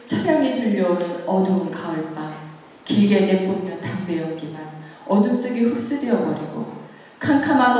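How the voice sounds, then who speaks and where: A woman in her sixties giving an earnest, emotive public lecture with expressive recitation and conversational asides to her listeners. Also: mid-range voice. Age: 60s. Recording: echoey hall, distant mic, background noise.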